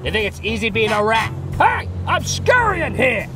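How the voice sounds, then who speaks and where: Brash, high-pitched cartoon rat. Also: male voice, huge pitch swings, normal speed, over music. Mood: cocky, defiant. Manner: confrontational, cocky. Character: brash, defensive street-tough cartoon rat. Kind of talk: character voice demo.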